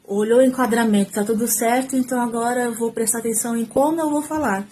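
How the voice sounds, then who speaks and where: A woman's voice: fairly high pitch, quick pace, a little hiss or hum. A woman with a Brazilian Portuguese accent, a former TV reporter, giving a casual, talkative tutorial to her phone camera at home. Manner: talkative, animated, gestures while speaking. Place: at home, indoors. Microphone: phone, front camera.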